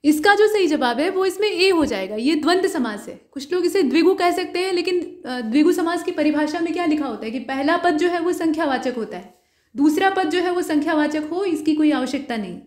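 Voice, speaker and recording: A woman teacher going through mock exam questions one by one, explaining each answer to the viewer in a steady, direct way. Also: very high voice, fairly quick, roomy sound.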